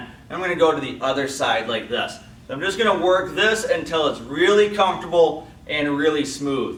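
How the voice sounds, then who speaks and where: Noticeable background noise accompanies a man speaking at a fairly quick pace in an upbeat tone. His pitch varies in an ordinary way. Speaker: karate instructor. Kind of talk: martial arts tutorial talk to camera.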